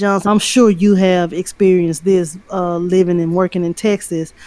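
Here a woman speaks with a Southern US accent. The recording is very clean, with a silent background. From Louisiana. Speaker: podcast co-host. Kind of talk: casual chat.

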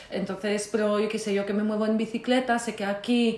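With a plain, everyday voice, a woman speaks at a medium pitch with fairly even intonation. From Poland. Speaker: guest. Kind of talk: casual chat.

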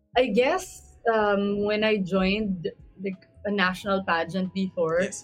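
With fairly even intonation, this woman speaks in a somewhat breathy voice. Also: medium pitch for a woman, fairly slow pace. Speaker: author and speaker. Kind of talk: casual interview.

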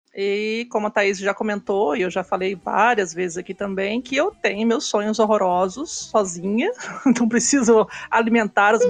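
The sound is dry and close, with no echo. A woman speaks at a moderate pace and fairly high pitch with ordinary pitch variation. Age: 40s. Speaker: book podcast co-host. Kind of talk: casual chat. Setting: video call. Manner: halting.

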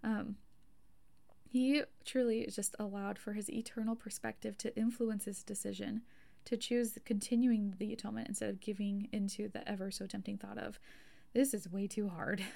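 A woman's fairly high, somewhat breathy voice carries a dark, mellow tone. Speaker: podcast host and life coach. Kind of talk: religious teaching monologue. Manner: fast; animated.

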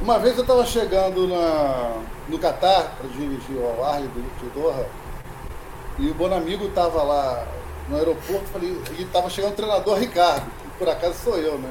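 A man with a high voice speaks at a moderate pace with lively intonation and long, frequent pauses over noticeable background noise. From Rio de Janeiro, northern suburbs. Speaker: football coach. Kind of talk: casual chat. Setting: video call.

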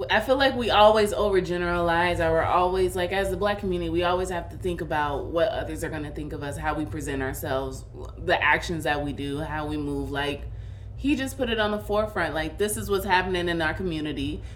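The woman rushes along at a very fast pace while noticeable noise sounds behind her. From Arizona. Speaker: podcast co-host. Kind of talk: casual chat.

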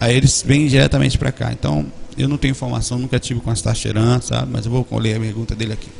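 A man talks very fast at a medium pitch, his intonation lively. Noticeable background noise runs under his voice. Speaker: spiritual teacher answering listener questions on astral projection. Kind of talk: casual Q&A monologue. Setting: filming on camera at home in the early morning. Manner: relaxed, conversational.

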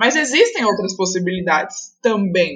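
In an unremarkable speaking voice, a woman talks at a moderate pace. Her intonation is lively. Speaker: travel influencer. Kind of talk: casual chat.

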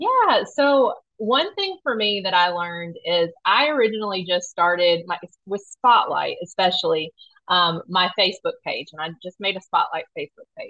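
A woman in a Southern US accent, speaking at a moderate pace. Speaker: academy coach. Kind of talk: interview, casual chat. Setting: remote call.

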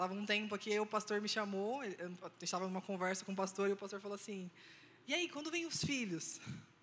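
Over noticeable background noise, a woman of medium pitch talks at a fairly quick pace with ordinary pitch variation. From Brazil, Mogi das Cruzes (São Paulo). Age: 30s. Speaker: women's ministry leader at church. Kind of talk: church women's talk, personal testimony.

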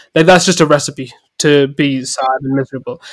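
A man speaks with an English accent in a monotone, flat intonation. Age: 20s. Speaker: engineering student and podcaster. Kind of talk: casual interview.

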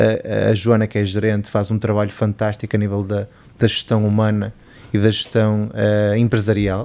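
A man's dark, mellow voice in a monotone, flat delivery. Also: moderate pace. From northern Portugal, Matosinhos. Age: 30s. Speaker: entrepreneur. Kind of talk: casual chat.

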